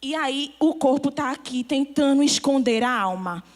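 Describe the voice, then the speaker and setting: Young woman youth leader, high pitch, animated church teaching with role-play. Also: moderate pace. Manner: animated, acts out voices of body and soul. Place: church hall.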